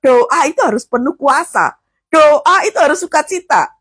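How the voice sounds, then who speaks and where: A woman's voice: sits high, expressive, normal speed, a bit bright. A woman preaching a sermon, exhorting her listeners fervently in a colloquial way.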